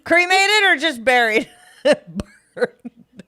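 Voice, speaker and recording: A woman's voice: high-pitched, lively intonation, slow, sharp tone. An American woman co-hosting a comedy podcast, joking brashly and laughing often. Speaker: podcast co-host. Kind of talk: casual comedy podcast chat.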